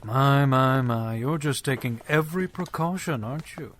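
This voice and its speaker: An actor playing a smug, menacing prisoner in an audio drama, sardonic and mock-polite. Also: male voice, mid-range voice, normal speed, slight background noise, natural voice. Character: mocking, menacing male prisoner and villain, unhurried and smug.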